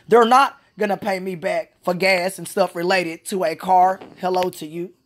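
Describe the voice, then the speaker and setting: A woman's voice: on the low side, fairly even intonation, normal speed. Frustrated woman venting. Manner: frustrated, repetitive, profane ranting. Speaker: Special Olympics athlete. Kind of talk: venting vlog monologue.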